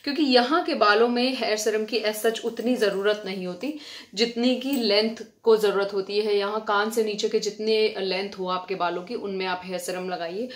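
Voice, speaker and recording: A woman's voice: mid-range voice, steady tone, normal speed. Woman from India, beauty vlogger, casual hair-care tutorial, chatty and friendly, indoors at home. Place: indoors at home, fan switched off.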